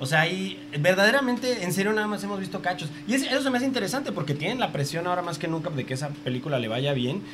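In a Mexican accent, the voice rushes along at a very fast pace with hardly any pauses, an animated tone and very wide pitch swings over noticeable background noise. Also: man, high pitch for a man. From Mexico. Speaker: film and comics commentator; comics commentator. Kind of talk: casual chat. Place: home room. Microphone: studio mic.

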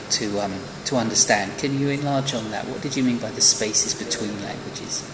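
The speech moves at a fairly quick pace. Noticeable background noise can be heard. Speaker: interviewer. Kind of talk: interview. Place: hall. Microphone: handheld.

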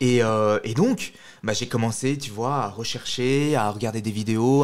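This man's pitch is medium, his pace moderate, and his pitch variation ordinary. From France. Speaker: life coach, school founder; life coach. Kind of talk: interview. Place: home room. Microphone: studio mic.

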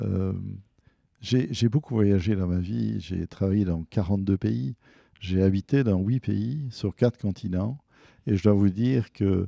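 A man speaks very slowly in a fairly low, dark, mellow voice with ordinary pitch variation. The sound is dry with no echo over a quiet background. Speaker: golf club vice-president; radio guest. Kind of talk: live radio interview. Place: hall. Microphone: handheld.

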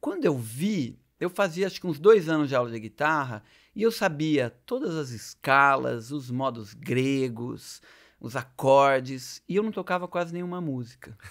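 Lively intonation from a man at a fairly slow pace, over a quiet background. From Brazil, Campinas (São Paulo state); São Paulo state, Brazil. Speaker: cellist, cello teacher and clown; cello teacher. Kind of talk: interview conversation. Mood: relaxed, reflective. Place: home room. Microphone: studio mic.

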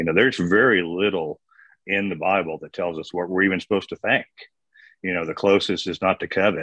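Against a quiet background and a dry sound with no echo, a man speaks at a fairly quick pace with a very deep, low pitch and a bright, sharp tone. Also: fairly even intonation. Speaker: congregant. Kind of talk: group discussion. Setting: video call. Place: home room. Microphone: video call.

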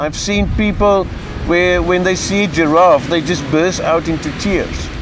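A high-pitched man speaks at a fairly slow pace with fairly even intonation, in a dry sound with no echo and noticeable background noise. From Cape Town, South Africa. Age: 50s. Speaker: overland tour guide. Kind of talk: interview answer. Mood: warm, enthusiastic. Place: beach.

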